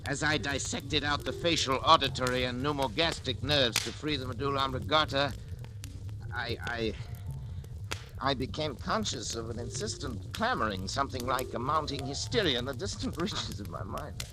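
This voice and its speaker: An actor playing a guilt-ridden scientist father, narrating his crime in grave, measured tones, in a vintage radio drama. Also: mid-range voice, lightly acted. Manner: hushed, coaxing with his son, then solemn confessional narration. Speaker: doctor and narrator. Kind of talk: 1940s radio drama acting. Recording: old radio broadcast with music bed.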